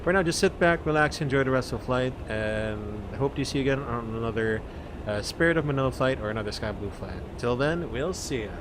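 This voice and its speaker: A man speaking as a pilot on a cockpit headset mic, making radio calls and a relaxed airline cabin announcement with frequent fillers. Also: mid-range voice. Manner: relaxed, chatty, pausing with fillers. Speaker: virtual airline pilot on a flight simulator. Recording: steady loud background noise.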